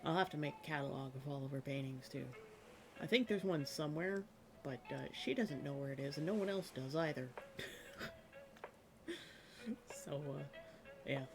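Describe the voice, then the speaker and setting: A woman streaming a game from her room at home, chatting casually with many fillers and a slightly hoarse voice from a cough. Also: low-pitched, moderate pace, pauses often, noisy background. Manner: chatty, rambling with many fillers, laughs often. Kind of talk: casual chat while gaming.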